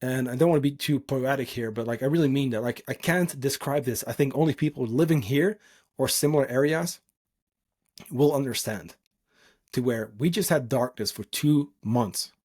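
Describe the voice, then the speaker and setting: A man from the Netherlands whose first language is Dutch speaks at a medium pitch. He talks off the cuff like a podcasting coach, informal and earnest. He leans on his points with emphasis, in a motivational solo style. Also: moderate pace, darkish tone, husky.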